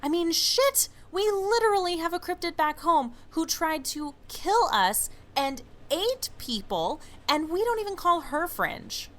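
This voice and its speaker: A woman's voice: very high-pitched, sing-song, unhurried, hardly any pauses, a bit bright, full character voice. A woman playing an outspoken, impatient young monster investigator, blunt and emphatic, in an audio drama. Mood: indignant. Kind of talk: naturalistic audio drama dialogue.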